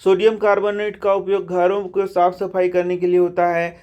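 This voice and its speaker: This man's high voice is monotone and a little mellow, moving at normal speed, and the sound is lo-fi. He teaches science straight from the textbook, line by line, chatting away, calling students bhai, meaning brother, and answering questions he poses himself.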